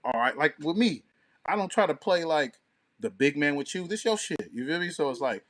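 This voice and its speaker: A man's voice: on the high side, lively intonation, moderate pace, fairly bright tone. An American man co-hosting a podcast with casual, profane, slang-heavy commentary, punctuated by checking tag phrases. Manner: informal, profane, peppers talk with tag phrases. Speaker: podcast co-host.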